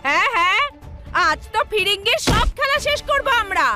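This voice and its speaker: A woman's voice: very high voice, sing-song, brisk. A woman voicing a feisty, teasing character in a Bengali cartoon dub. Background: cartoon music.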